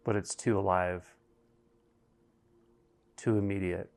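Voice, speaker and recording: A man guiding a meditation, speaking slowly and deliberately with long pauses between phrases. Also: deep voice, fairly even intonation. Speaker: meditation guide. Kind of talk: guided meditation narration.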